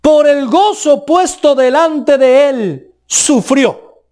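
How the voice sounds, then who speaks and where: A man with a Colombian accent preaching a sermon, emphatic, with pitch that rises and drops sharply for stress. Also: expressive, very slow, a little mellow.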